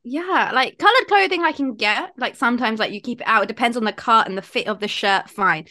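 A woman's voice: fairly high pitch, animated, fairly quick, bright, forceful tone. A woman from India co-hosting a casual sports podcast, talking in a gushing, emphatic way. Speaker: podcast co-host.

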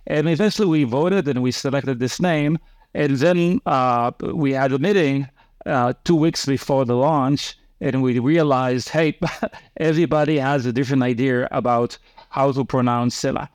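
A man's voice: medium pitch, moderate pace, darkish tone, no echo. A man, a company co-founder, answering interview questions casually with many fillers and restarts. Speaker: guest, company co-founder and CEO.

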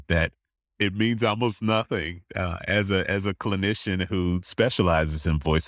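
Deep-voiced man explaining clinical work. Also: no room sound, clean studio sound. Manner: measured, explanatory, acts out patient quotes. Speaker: voice specialist clinician. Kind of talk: interview answers, explanatory.

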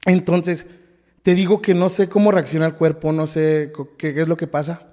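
A man's voice: on the high side, little pitch movement, mellow, in a large hall. Mexican man telling a harrowing story. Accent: Mexican Spanish. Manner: emotional, halting, with many restarts and repetitions. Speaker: podcast guest. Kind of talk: personal storytelling.

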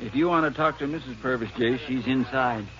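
An actor playing a plain-spoken, helpful small-town Texas sheriff in a 1950s radio western. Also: male voice, medium pitch, a little fast, muffled recording, lightly acted. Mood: matter-of-fact. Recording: noisy, band-limited 1950s radio recording.

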